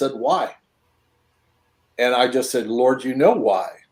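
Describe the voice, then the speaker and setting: A man at a medium pitch with an American accent. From California. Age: 60s. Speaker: pastor mentor. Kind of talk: casual chat. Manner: halting.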